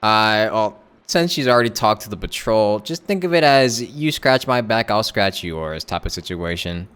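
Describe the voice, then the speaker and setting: Young man, casual streamer commentary, smooth clear voice, slangy and repetitive. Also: fairly low pitch, lively intonation, normal speed, a bit bright. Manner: slangy, repetitive, reacting loosely. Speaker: game streamer. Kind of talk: casual live gameplay commentary.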